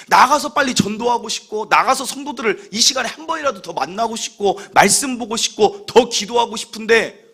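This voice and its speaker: Male pastor in his 30s giving a sermon, bright tense voice, bit husky, funny storytelling. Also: very high voice. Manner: animated, humorous storytelling; acts out other people's remarks.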